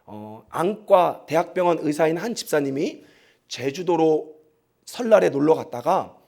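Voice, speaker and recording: Pastor, male, high and very animated voice, dramatic storyteller, sermon delivery. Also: a little slow, creaky. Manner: talks straight to the congregation, asks them to repeat.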